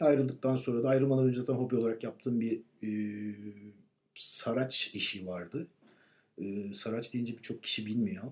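With long, frequent pauses, a man talks at a moderate pace and medium pitch, using ordinary pitch variation. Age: 30s. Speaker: leather craftsman. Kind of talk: casual chat. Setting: recorded in Ankara.

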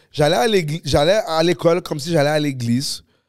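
This man has a normal speaking voice, pitched fairly high. His intonation is lively. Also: very clean recording, silent background. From Ottawa, Canada. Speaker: comedian. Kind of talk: casual chat.

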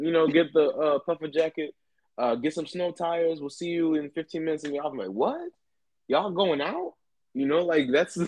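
Fairly quick speech with ordinary pitch variation. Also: man, fairly high pitch for a man. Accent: American. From US South, Georgia. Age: 20s. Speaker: podcast co-host, grad student. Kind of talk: casual chat. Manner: halting, many fillers.

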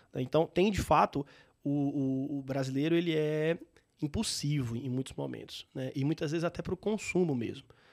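A man's plain, everyday voice at fairly high pitch, moderate pace and ordinary pitch variation, in a dry, close recording with no echo. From interior of Bahia, Brazil. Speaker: entrepreneur, fintech founder. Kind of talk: interview.

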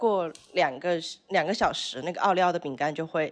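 Over a quiet background, the woman keeps a moderate pace. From Chengdu, Sichuan. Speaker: podcast guest. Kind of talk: casual chat.

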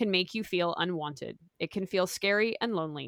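With a Canadian accent, a woman speaks at a fairly quick pace in an unremarkable speaking voice with ordinary pitch variation. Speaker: podcast host. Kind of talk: interview conversation.

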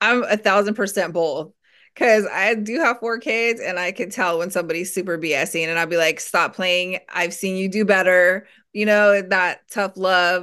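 A woman with an American accent speaks at a moderate pace in a bright, sharp tone against a quiet background. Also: medium pitch for a woman, ordinary pitch variation. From California, Bay Area. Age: 40s. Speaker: barber and educator. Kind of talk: casual chat.

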